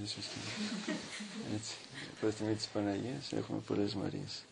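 Gravelly, husky priest preaching. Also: male voice, mid-range voice, a little mellow. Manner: reads aloud from a book, breaking off to comment. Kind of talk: sermon.

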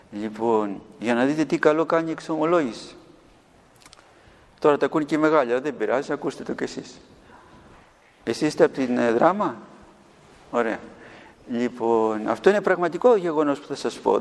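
Man preaching to children in a reverberant hall. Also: fairly high pitch. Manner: animated storytelling, asks the audience questions. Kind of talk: sermon to children with storytelling.

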